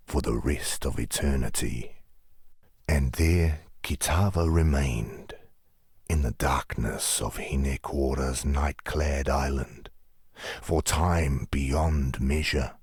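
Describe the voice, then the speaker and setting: Tribal lore-keeper, very husky, grave storytelling, deliberate and unhurried, very dry close sound, fantasy game. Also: male voice, extremely low pitch, darkish tone, no room sound, full character voice. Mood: grave, ominous. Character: solemn male tribal storyteller recounting myths of gods. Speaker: lore narrator. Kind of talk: slow mythic storytelling.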